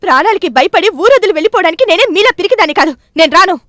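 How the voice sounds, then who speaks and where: An actress playing a defiant young daughter who refuses to flee, in a 1980s film drama. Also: female voice, expressive, very fast, fairly bright tone, no echo, clean studio sound. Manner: defiant, pleading, shrill.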